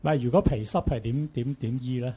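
A man's voice: mid-range voice, brisk, mellow, husky. A man in the audience with a Hong Kong Cantonese accent, asking the teacher a hesitant question from away from the microphone. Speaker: audience member.

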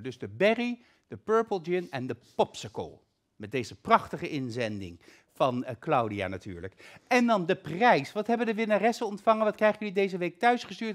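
A woman hosting a live online nail workshop, enthusiastic as she reads out viewer comments and chats with her guest. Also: lowish voice. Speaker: workshop host.

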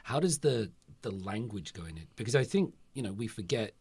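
Man, host, low husky voice, chatty, curious. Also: big pitch swings, brisk, darkish tone, no room sound. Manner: curious, chatty, asks follow-up questions. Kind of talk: casual interview discussion.

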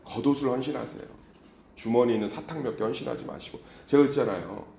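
Male pastor, exhorting sermon, animated delivery, reverberant church room. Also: mid-range voice, fast talker, vocal fry.

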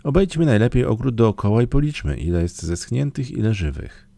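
A man's voice: expressive, brisk, creaky, no room sound. An eager little girl, as a man puts her on. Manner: raised, bright girlish pitch. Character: eager young girl, curious and excitable.

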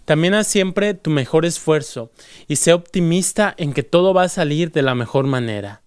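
A man's voice: fairly high pitch, expressive, normal speed, clear, resonant tone, no echo. A man hosting a scripted motivational self-help talk, speaking earnestly and directly to the listener.

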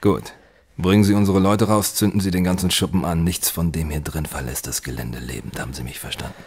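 Deep-voiced FBI agent. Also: male voice, fairly even intonation, fairly quick, vocal fry, a little mellow, a little hiss or hum. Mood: commanding. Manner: dry, authoritative. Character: wry, commanding male FBI agent. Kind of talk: horror audio drama acting.

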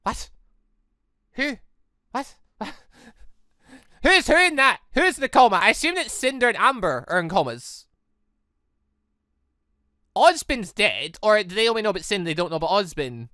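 Gaming YouTuber, man, reads a visual novel; lively pitch, bright, dry close mic. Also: normal speed, long pauses, no echo. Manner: chatty, jumps up in pitch when surprised. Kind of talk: reading a visual novel aloud with commentary.

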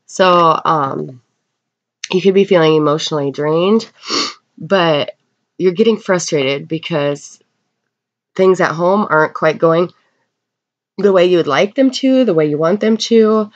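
A woman's voice: lowish voice, unhurried, long pauses. Sniffly woman reading tarot, dull sound. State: getting over a bad cold, sniffly. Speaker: tarot reader. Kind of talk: casual tarot card reading. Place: indoors at a table in a room.

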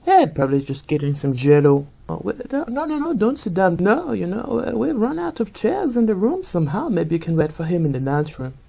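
A man's voice: high-pitched, big pitch swings, a little fast, gravelly, hardly any pauses, mellow, slightly rough, exaggerated voice, poor audio. A man voicing a chatty French monkey puppet reporter with a French accent and a sing-song voice. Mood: flustered. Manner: jokey, rambling, flustered fibbing. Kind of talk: comic puppet news segment.

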